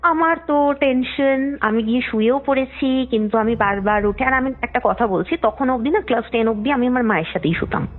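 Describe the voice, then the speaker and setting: A woman's voice: a little high, brisk. A young woman caller telling a story in a chatty, rambling way, often trailing off mid-sentence. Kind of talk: casual storytelling on a call. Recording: tinny phone line with faint music.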